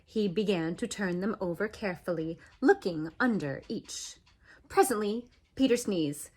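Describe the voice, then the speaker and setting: A woman reading a children's story aloud as an animated narration, expressive, with dramatic swoops and pauses. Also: mid-range voice, slightly rough. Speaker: storybook reader.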